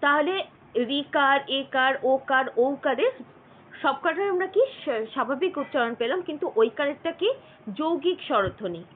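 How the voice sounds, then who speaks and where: High-voiced woman teaching over tinny audio. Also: expressive. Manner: explains slowly, breaking words into letters. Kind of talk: online grammar lesson.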